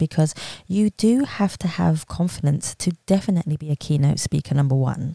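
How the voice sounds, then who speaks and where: A woman speaks at a fairly quick pace in a fairly low pitch, her dark, mellow tone somewhat breathy. Her intonation is lively, and the sound is dry and close with no echo. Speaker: podcast host. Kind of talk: interview.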